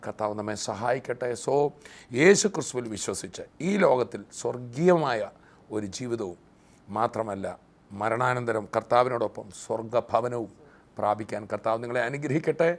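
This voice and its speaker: A man who hosts a Christian TV program leads a fervent prayer for healing, his declarations rising loud and emphatic, then gives a closing message. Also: mid-range voice, moderate pace. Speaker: TV program host and preacher.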